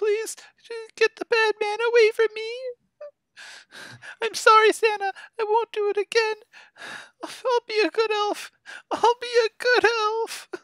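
Using a put-on character voice of extremely high pitch, the speaker talks fairly slowly in a flat monotone, leaving long, frequent pauses. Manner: begging, apologetic.

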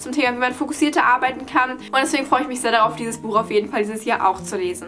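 Faint music plays behind a woman talking very fast at a high pitch. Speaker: book vlogger. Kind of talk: casual vlog chat. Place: home room. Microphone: webcam.

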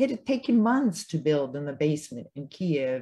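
Against a quiet background, a woman speaks with a very deep, low pitch. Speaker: theater director; poet or writer reading her work. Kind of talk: event hosting. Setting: video call. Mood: calm, reflective. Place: home room. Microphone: video call.

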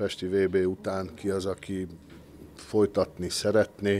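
Light background noise accompanies a man's fairly low voice. His intonation is monotone and flat. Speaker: ice hockey club director. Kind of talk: interview. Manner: halting. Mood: calm, reflective. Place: office. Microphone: handheld.

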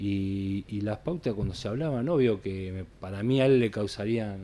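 A man speaks at a moderate pace with a dark, mellow tone. His pitch is fairly low, with ordinary variation. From Ciudadela, Buenos Aires, Argentina; Buenos Aires. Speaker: football team physiotherapist; guest. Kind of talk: interview. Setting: radio studio. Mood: reflective, emotional. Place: studio. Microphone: studio mic.

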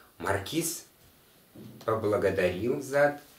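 Audible room echo surrounds the voice. A man talks very slowly. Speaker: storyteller. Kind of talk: reading a fairy tale aloud. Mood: warm, playful storytelling. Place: home room.

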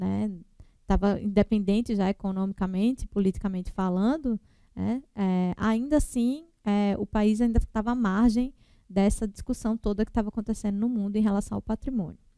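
A woman with a dark, mellow tone speaks in a northeastern Brazilian accent at a moderate pace with fairly even intonation. The sound is dry with no echo, and the background is quiet. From Alagoas, Brazilian Northeast. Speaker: architect and exam-prep teacher; course instructor. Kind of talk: lecture. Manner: halting, many fillers. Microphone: headset.

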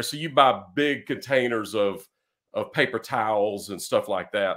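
Someone talks with a Southern US accent against a quiet background. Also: man. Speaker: podcast co-host, hot tub serviceman. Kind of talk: casual chat. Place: home room.

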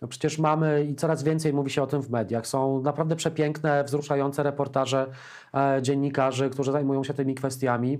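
Against a quiet background, a man talks very fast in a monotone, flat intonation. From Poland, Podkarpacie region; Poland. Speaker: politician and lawyer; interview guest. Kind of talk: interview. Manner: halting, frequent repetitions and fillers. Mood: earnest, thoughtful. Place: studio. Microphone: lapel.

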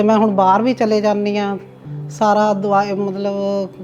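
With music playing behind her, a woman speaks at a medium pitch in a monotone, flat intonation. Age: 50s. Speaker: patient. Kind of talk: patient testimonial to camera. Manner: casual, conversational.

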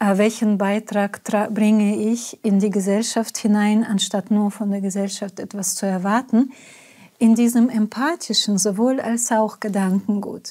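A woman speaks with a dark, mellow tone at a fairly high pitch. Her voice is somewhat breathy, and her intonation stays fairly even. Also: fairly slow pace, quiet background. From former Soviet Union (Russia). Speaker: spiritual teacher and author; spiritual teacher. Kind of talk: interview. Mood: calm, earnest. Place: studio.

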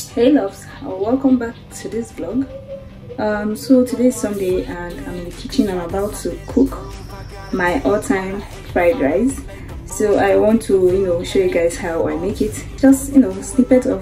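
A woman at a moderate pace with big swings in loudness, clear music in the background. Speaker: vlogger. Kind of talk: casual vlog cooking tutorial. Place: kitchen. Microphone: phone near.

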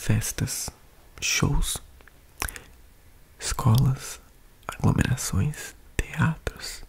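The speaker is soft-spoken and whispering. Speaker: ASMR roleplay examiner. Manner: whispered, soft-spoken. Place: home room. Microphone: studio mic.

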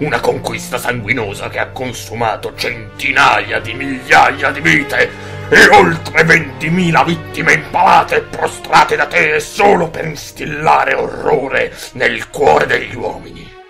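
A man uses a put-on character voice at a fairly slow pace. Clear music plays in the background. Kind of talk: solemn epic speech.

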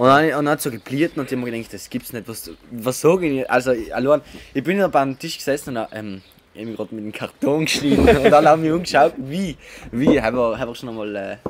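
A man with a South Tyrolean accent, very fast and lively in intonation, with big swings in loudness and noticeable background noise. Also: medium pitch for a man. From South Tyrol, Italy. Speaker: podcast host. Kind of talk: casual podcast conversation. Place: garden. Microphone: studio mic.

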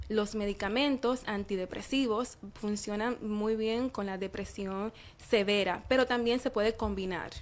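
A normal speaking voice with fairly even intonation, in a very clean recording over a silent background. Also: woman, fairly high pitch for a woman. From Puerto Rico (born Dominican Republic). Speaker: psychotherapist. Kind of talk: radio interview. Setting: radio studio.

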